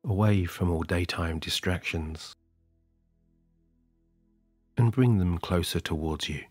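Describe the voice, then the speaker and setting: A man leading a guided sleep hypnosis session, talking softly and slowly with long pauses. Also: deep voice, slightly rough, dry recording. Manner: soft, slow and soothing, with long pauses. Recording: dry close studio voice over soft music.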